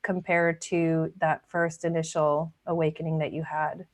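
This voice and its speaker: Lowish voiced woman from argentina hosting a video call chat, kinda hesitant, lots of restarts. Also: flat delivery, measured pace. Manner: hesitant, with many restarts and fillers. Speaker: host. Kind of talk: casual interview chat.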